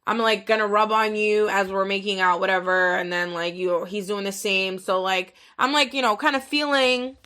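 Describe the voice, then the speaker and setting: A woman's voice: medium pitch, moderate pace, few pauses, clean tone. A woman in her thirties hosting a podcast, telling a personal story in a rambling, profane, casual way, full of fillers and acted-out quotes. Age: 30s. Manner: rambling, profane, filler-heavy, animated retelling with quoted voices. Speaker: podcast host.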